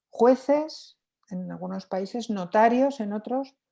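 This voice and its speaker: A woman's fairly high, dark, mellow voice at a moderate pace, with normal pitch variation and a quiet background. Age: 60s. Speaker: law professor. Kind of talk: lecture. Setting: video call. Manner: formal.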